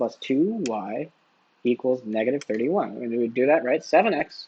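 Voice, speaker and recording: With lively intonation, a man talks at a medium pitch and a moderate pace. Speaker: tutor. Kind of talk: casual think-aloud test walkthrough. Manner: animated.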